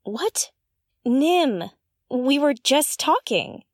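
Curious, lively female space explorer. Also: high-pitched, very slow, dry recording, studio quality, heavily acted. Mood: wry, exasperated. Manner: talks to herself, wry and inquisitive. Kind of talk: audio drama acting, narrating actions aloud.

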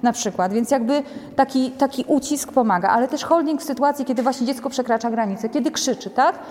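Lively woman lecturing in a reverberant hall. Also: high-pitched, a little fast. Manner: conversational, ends many sentences with a checking "nie?"; animated, acts out quotes. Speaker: lecturer on child behavior. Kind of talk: lecture to a group.

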